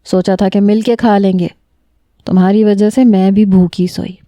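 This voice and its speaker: A woman's voice: mid-range voice, fairly even intonation, mellow, dry recording, clean studio sound, natural voice. A woman voicing a caring, stubborn young woman who scolds with affection. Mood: teasing affectionate.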